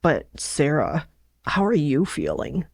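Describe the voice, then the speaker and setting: A woman's voice: deep voice, sing-song, takes it slowly, a little mellow, husky, dry recording, clean studio sound, heavily acted. A woman reading aloud as an earnest, smitten young male race driver in a romance story, tender and open.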